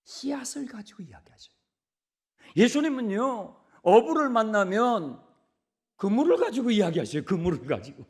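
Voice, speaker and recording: Animated pastor, whispers then booms. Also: male voice, normal speed, husky. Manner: swings between hushed whispers and loud emphatic repetitions; conversational, asks the congregation questions. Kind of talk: sermon. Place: church sanctuary pulpit.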